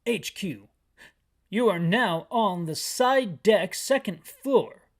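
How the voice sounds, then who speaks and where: A man's voice: high voice, expressive, slow pace, soft background music, heavily acted. A man reading the lines of a male radio headquarters officer in a clipped, formal briefing manner.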